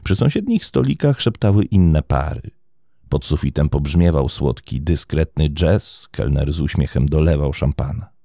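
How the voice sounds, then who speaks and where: A man's voice: a bass voice, moderate pace, vocal fry, no echo, clean studio sound. A man narrating a true crime story in a scripted, theatrical storytelling style. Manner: expressive, theatrical storytelling delivery.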